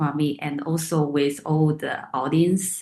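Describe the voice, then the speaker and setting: A woman speaks with a Chinese accent. Her pace is fairly slow. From China. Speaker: theology doctoral student. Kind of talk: interview. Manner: halting with fillers.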